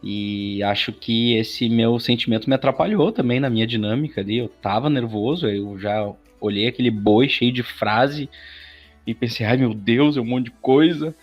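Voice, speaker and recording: A Brazilian man speaks as an interview guest in an informal, conversational style. His voice sits at an ordinary pitch, and he slips into quoted asides as he tells his stories. Faint music plays behind him. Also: moderate pace, highs cut off. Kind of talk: casual interview chat.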